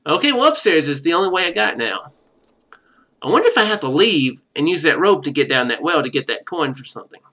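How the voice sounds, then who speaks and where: Male let's-play streamer, bright forceful tone, slightly high pitch, reads game text and comments casually. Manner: thinks aloud while playing.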